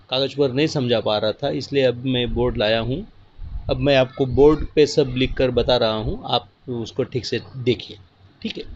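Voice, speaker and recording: A man's voice: mid-range voice, a little hiss or hum. A man teaching a lesson at a board, explaining patiently step by step and counting aloud as he goes. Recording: muffled lo-fi audio.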